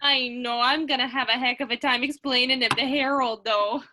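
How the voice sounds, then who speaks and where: A woman's voice: high-pitched, steady tone, normal speed, sharp tone. A woman playing a sweet, unflappable Midwestern housewife with a folksy Minnesotan accent in a comedy sketch reading. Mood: folksy, matter-of-fact.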